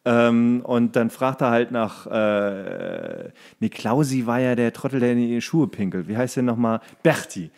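A man's voice: mid-range voice, big pitch swings, a little slow, gravelly, darkish tone. A man co-hosting a casual comedy podcast, chatting in a rambling, colloquial way with crude jokes. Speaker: podcast co-host.

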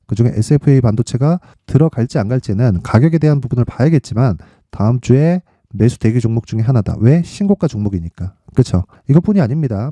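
A stock trading channel host gives informal market commentary, pitching his picks emphatically with lots of rhetorical and tag questions. His voice has a dark tone and there's no room sound.

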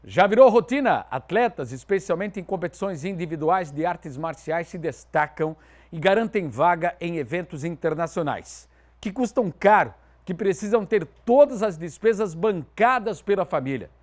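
Southern brazilian news guy in a tv studio, pretty high voice, punchy delivery. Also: moderate pace. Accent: Southern Brazilian Portuguese. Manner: lively, emphatic newsreader delivery. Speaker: TV sports news presenter.

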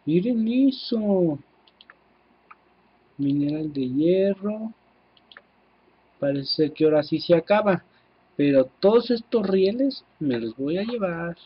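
Excitable Mexican man with a husky voice. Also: sits high, slow, long pauses, muffled recording. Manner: excitable, swears casually, talks to viewers. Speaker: gameplay commentator. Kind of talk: casual let's-play commentary.

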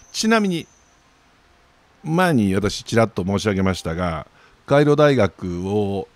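A man's voice: sits low, no room sound. A man with a Kansai accent giving a chatty newspaper commentary, full of jokey asides.

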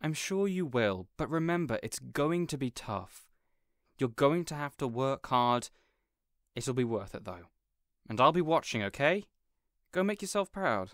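A man's voice: mid-range voice, very animated, unhurried, fairly bright tone, no room sound, clean studio sound. A man playing a kindly, encouraging villain boss in an audio roleplay, speaking earnestly and reassuringly. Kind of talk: character audio roleplay acting.

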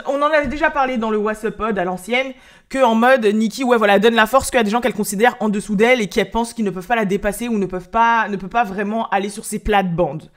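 Woman host chatting into her phone, hyped and slangy, kinda high voice. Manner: animated and excitable, slangy, with frequent restarts. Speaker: host of a hip hop news show. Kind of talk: casual commentary.

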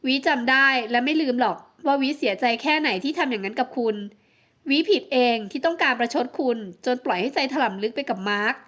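A woman's voice: sits high, brisk, fairly bright tone. A woman reading a romance audiobook, voicing a jealous young woman who pleads through tears. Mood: bitter. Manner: emotional, tearful pleading. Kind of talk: audiobook romance novel acting.

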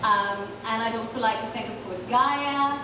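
Woman lecturing in an echoey hall. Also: fairly high pitch. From Ireland. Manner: measured, thoughtful, with frequent fillers. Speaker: keynote speaker. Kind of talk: academic lecture. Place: large hall, on stage at a panel table. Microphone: table microphone, heard from far off. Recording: echoey hall from far off, noisy.

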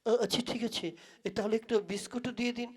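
A woman's voice: a little high, fairly even intonation, fast talker, a little mellow, slightly rough. A woman playing a courteous, hesitant man who is a stranger in a village, in a comic puppet play. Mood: hesitant, insistent. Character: polite, hesitant, increasingly impatient male stranger seeking directions.

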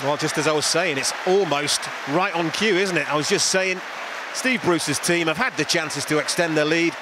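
Male co-commentator, fairly high voice, emphatic and measured, faint crowd behind. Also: noisy background. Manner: measured, emphatic, repeats words for stress. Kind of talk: football match analysis.

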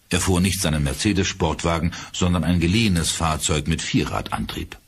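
Deep, husky male audiobook narrator. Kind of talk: scripted horror audiobook narration.

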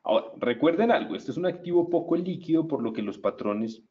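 A man's voice: on the high side, animated, fairly quick, lo-fi sound. A man presenting a live market analysis webinar, chatty and upbeat, talking straight to his viewers.

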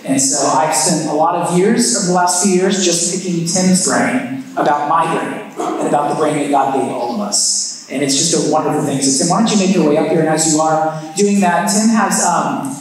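A man's voice: fairly high pitch, fairly even intonation, moderate pace. A man, a pastor, praying and then introducing the evening's speaker at a church service, with frequent fillers. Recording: echoey church from far off.

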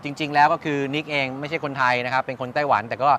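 A man's voice: fairly high pitch, fairly even intonation, fast, fairly bright tone. Man hosting a casual motorcycle review, outdoor noise. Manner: explanatory, repeats and confirms the guest's answers. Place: at a shop beside traffic. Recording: outdoor noise, vehicles behind.

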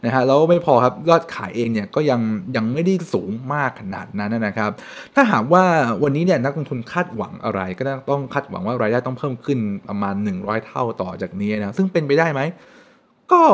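Young male host, brisk and animated to camera, at home on a desk mic. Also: mid-range voice. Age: young adult. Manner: animated, chatty, frequent polite particles. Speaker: finance channel host. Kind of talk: casual explainer talk to camera. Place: home room with shelves, indoors.

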